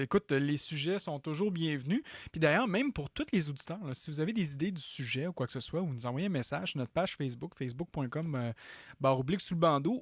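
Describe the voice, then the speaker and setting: A man's voice: fairly high pitch, no echo, clean studio sound. A man with a Québécois accent hosting a podcast, talking casually with many fillers and restarts. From Quebec. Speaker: podcast host.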